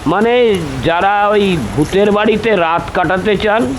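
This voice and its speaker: A man's voice: high voice, measured pace, slight background noise, pitched above the performer's own voice. Older man doing a friendly young gent.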